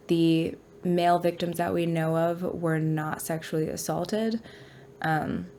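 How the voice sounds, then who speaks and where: Lady with a stuffy cold voice, lowish, chatty and frank, faint hiss behind. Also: darkish tone. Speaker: true crime YouTuber. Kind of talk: casual talk to camera.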